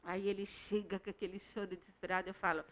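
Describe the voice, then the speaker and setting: A woman teaching a recorded Bible school lesson, calmly explaining with stories from her classroom. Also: medium pitch, quick pace, rough recording.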